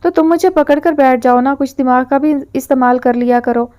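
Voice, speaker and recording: A woman's voice: high voice, warm tone, close to an everyday voice. A woman voicing a hot-tempered rich young man who teases and then gives curt orders, in a novel reading. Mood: angry. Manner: teasing, then curt and commanding.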